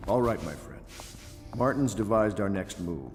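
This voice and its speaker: An actor playing a proud old military man who gives a brisk briefing in a video game. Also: on the low side, lively intonation, a little mellow, long reverb tail, faint music behind.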